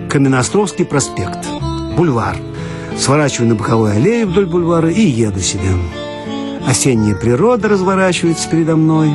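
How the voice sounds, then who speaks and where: Husky man reading a comic story. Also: medium pitch. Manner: ironic storyteller, lively rises and drops. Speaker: reader. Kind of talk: reading a humorous story aloud.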